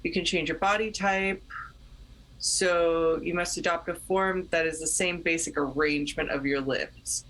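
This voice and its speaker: Low-voiced woman at a game table. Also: steady tone, unhurried, fairly bright tone, low-quality recording. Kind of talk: casual game-table chat.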